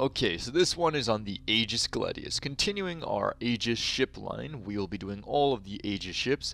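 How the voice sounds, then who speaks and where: Very wide pitch swings mark this voice, delivered at a moderate pace. Vocal fry is present throughout. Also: man. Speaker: gaming video host. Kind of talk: casual game commentary.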